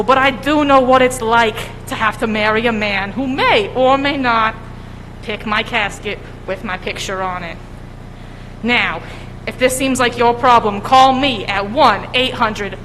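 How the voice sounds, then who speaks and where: An actress playing a brisk legal-aid pitchwoman in a mock TV commercial, delivered in an upbeat sales tone on a school auditorium stage. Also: fairly bright tone. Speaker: stage actor. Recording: echoey auditorium, faint noise.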